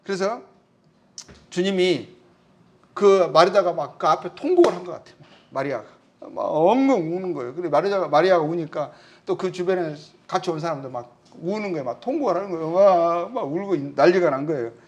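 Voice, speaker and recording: High-voiced Korean man preaching a sermon. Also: a little fast. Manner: retells scripture in lively storytelling, quoting figures in speech; frequent fillers and restarts, emphatic repetition. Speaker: pastor. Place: church.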